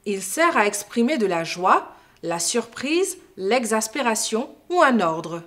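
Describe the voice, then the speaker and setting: A woman's voice: fairly high pitch, big pitch swings, fairly bright tone. A woman teacher giving a scripted lesson, explaining carefully and didactically. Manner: slow, careful, didactic delivery. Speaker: French teacher.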